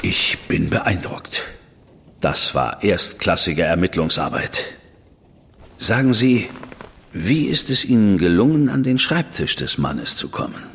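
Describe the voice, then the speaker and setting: An actor playing a stern, impatient official in a German radio drama, curt and disapproving. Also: male voice, sits low, very animated, a little slow, fairly bright tone, long reverb tail, a little hiss or hum, heavily acted.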